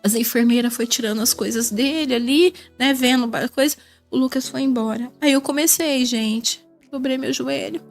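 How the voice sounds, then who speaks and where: A woman's voice: high voice, normal speed, faint music behind. A woman with a Brazilian Portuguese accent giving an emotional faith testimony as a mother, crying and repeating her phrases. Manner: tearful, repeats phrases, raises voice in bursts.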